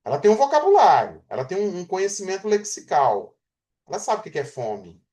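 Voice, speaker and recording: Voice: mid-range voice, wildly swooping pitch, a little fast, mellow. A Portuguese teacher giving a grammar lecture, explaining through everyday examples and often checking in with the class.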